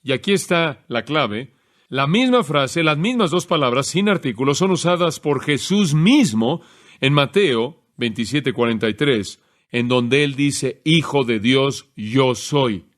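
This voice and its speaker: Man, preacher, expository sermon, measured explaining tone, slightly raised pitch, slows to stress key words. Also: animated.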